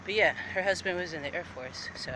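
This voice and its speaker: A man with a high-sitting voice talks briskly while walking outdoors on streets near an air base, slightly out of breath. The vlogger chats casually and rambles with restarts. The noisy street recording carries traffic and urban ambience.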